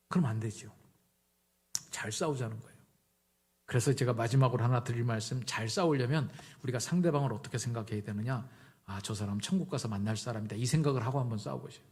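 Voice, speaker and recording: A man's voice: mid-range voice, darkish tone, slightly rough. A middle-aged male pastor giving a conversational sermon, telling stories and acting out both sides of the dialogue. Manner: conversational storytelling, acts out dialogue.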